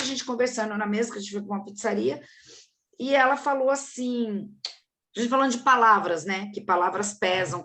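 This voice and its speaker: A woman's voice: medium pitch, pushed and bright. A woman telling a story in a casual group discussion, acting out the quoted dialogue. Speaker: study group participant.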